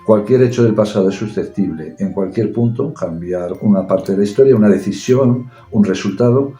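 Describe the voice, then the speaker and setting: A man, a guest in a casual book chat, explaining ideas in a measured way with small hesitations. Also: fairly low pitch, warm tone, reverberant, soft background music. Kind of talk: casual chat about books.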